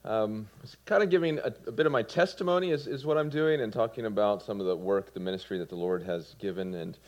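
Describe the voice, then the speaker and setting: A man in his forties from Georgia with a Southern American accent, giving his personal testimony in a sermon with earnest, halting delivery. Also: fairly low pitch. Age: 40s. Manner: earnest, with fillers and soft laughs. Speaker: preacher.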